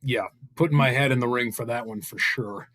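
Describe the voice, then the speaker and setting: A middle-aged man talks casually on a video call. His voice sits at an ordinary pitch, and he often breaks off to find the next phrase. The sound is dry, with very little room around it. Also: brisk, fairly bright tone, dry recording. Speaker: table read participant. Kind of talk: casual chat.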